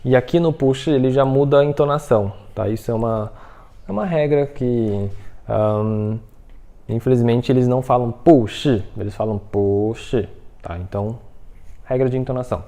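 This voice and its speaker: A man teaching a Mandarin lesson, explaining patiently, checking in with the listener often and saying example phrases slowly. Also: medium pitch, warm tone. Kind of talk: online language lesson.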